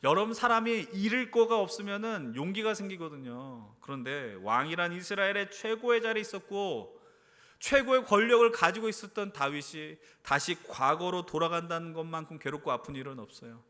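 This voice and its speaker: A male preacher giving an earnest sermon to a church youth service. He asks the congregation question after question and moves between hushed low phrases and raised emphatic ones. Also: animated, fairly quick. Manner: earnest, addresses the congregation with frequent rhetorical questions. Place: church sanctuary. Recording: reverberant hall.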